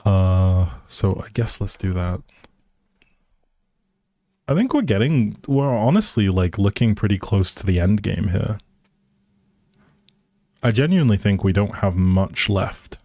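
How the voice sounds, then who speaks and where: A man's voice: on the low side, lively intonation, unhurried, long pauses, mellow, no echo. A man giving casual live game commentary as a streamer, musing aloud in a hesitant way.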